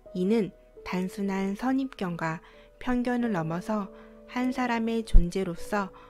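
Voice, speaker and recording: Music plays in the background as a woman talks at a very slow pace. Her pitch is medium, with ordinary variation. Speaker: drama review narrator. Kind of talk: drama review narration.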